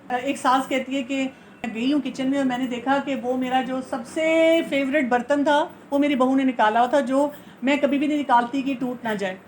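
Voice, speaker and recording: A woman with a high voice gives instructive advice, earnest and patient. She poses questions and answers them herself, slipping English phrases into her talk. A faint background noise sits under the recording. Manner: explains by asking and answering her own questions. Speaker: family counselor.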